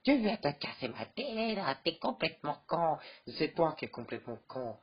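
A bratty teenage gamer boy with a high, piercing, whiny voice, as a man puts him on in a homemade parody dub. He throws insults and sulks like a crybaby. The recording is dull, lo-fi and husky. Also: very animated, normal speed. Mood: outraged.

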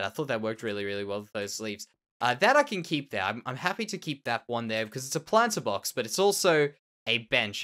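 Medium in pitch with a sharp tone, an Australian Minecraft let's play host gives casual gameplay commentary. He sounds nasal and slightly tender, musing and repeating words about his own construction.

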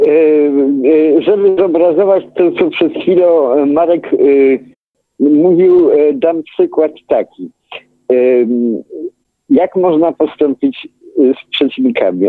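A man talking slowly and hesitantly, his slightly high voice thin and tinny like a phone line. The sound is dry with no room around it, as he walks through an example on a writing show. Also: dry recording. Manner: slow, hesitant, many fillers. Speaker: co-host of a writing workshop show. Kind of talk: casual discussion on punctuation.

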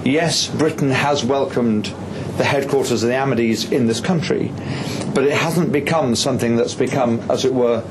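A man who is a member of parliament giving a formal speech at a reception, measured and often pausing on "uh". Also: mid-range voice, background noise. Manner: measured, with frequent "uh" pauses.

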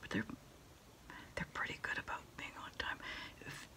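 This ASMR roleplay has a middle-aged woman playing someone answering the phone for takeout orders, speaking in a soft, hesitant whisper as only her side of the call is heard.

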